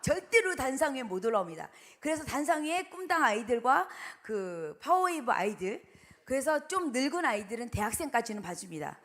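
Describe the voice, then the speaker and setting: A middle-aged woman missionary preaching a sermon, telling stories in a lively way and acting out the quotes. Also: high voice, fairly quick. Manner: animated storytelling, acts out quotes.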